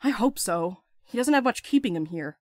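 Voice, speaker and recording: A woman's voice: medium pitch, expressive, moderate pace, darkish tone, no echo, studio quality, close to an everyday voice. A woman playing a restless, blunt courier in an audio drama, urgent and sardonic, eager to escape. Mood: eager, insistent.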